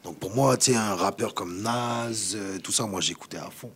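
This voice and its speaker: A man's voice: fairly low pitch, normal speed, a bit bright, slightly rough. A man talking as a rapper guest in a casual interview. He is laid-back, keeps asking "you know what I mean" and slips into English.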